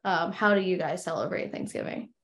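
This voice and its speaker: A woman's voice: on the low side, a little fast, fairly bright tone. A young woman hosting a podcast interview, chatting casually with many fillers and restarts. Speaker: podcast host.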